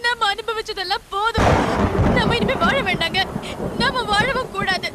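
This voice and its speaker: A woman's voice: very high voice, normal speed, a loud crowd. A woman acting a distraught, crying wife in a dubbed film drama, pleading desperately. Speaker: wife, film character Saraswathi. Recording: film soundtrack with loud noise behind.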